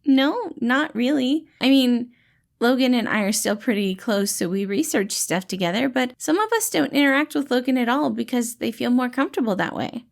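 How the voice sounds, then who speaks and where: Woman acting a tiny male healer, high-pitched, cheerful, fatherly, gently reassuring, audio storybook character. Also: expressive, moderate pace, creaky. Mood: upbeat, explaining. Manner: eager, reassuring, gentle, calls people kiddo.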